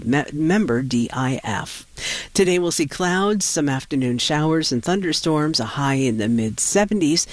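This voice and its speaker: A woman hosting local public radio, reading news, weather and sponsor notes in a measured announcer delivery. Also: low voice, no room sound. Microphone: studio microphone.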